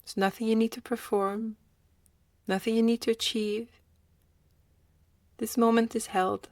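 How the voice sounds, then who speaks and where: Woman guiding meditation, creaky close dry voice. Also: fairly high pitch, flat delivery, dry recording. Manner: slow, gentle, with long pauses. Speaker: meditation guide. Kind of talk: guided meditation.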